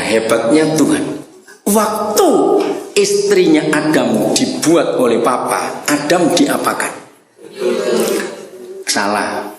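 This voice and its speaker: Animated preacher guy cracking jokes, asking the crowd questions, long reverb. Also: on the high side. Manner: animated, quizzes the congregation. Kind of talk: humorous sermon. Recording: echoey hall with long reverb.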